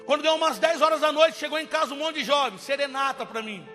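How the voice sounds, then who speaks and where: Guy preaching his testimony, really high bright voice, big echoey hall w soft music behind. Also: fast. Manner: impassioned, swings from loud cries to hushed. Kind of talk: testimony sermon.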